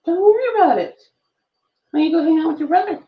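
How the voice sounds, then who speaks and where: A woman's voice: very high-pitched, animated, quick pace, echoey room, narrow, tinny audio. A woman in her late thirties chatting loosely with her viewers while journaling at home, reacting to their comments as she goes. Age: late 30s. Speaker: planner vlogger. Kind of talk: rambling live chat while journaling.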